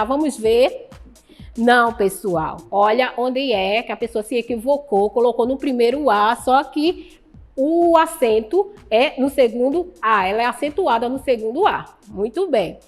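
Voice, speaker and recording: Brazilian woman teacher, high voice, patient, quizzes and praises students, faint music behind. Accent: Brazilian Portuguese. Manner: patient, asks the class questions and praises answers. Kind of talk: recorded online Portuguese lesson.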